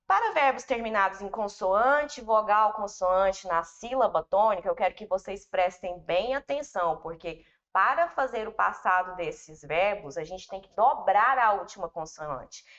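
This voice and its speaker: With a Brazilian Portuguese accent, a woman English teacher talks her students through grammar one step at a time, informal and patient, repeating as she goes. Her mid-range, fairly bright voice is expressive and unhurried, with hardly any pauses, on a dull lo-fi recording.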